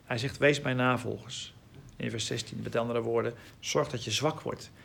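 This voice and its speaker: A man's voice: mid-range voice, fairly even intonation, fairly quick, creaky, slight background noise. A man giving informal Bible teaching in Dutch, reading scripture aloud and explaining it with emphasis.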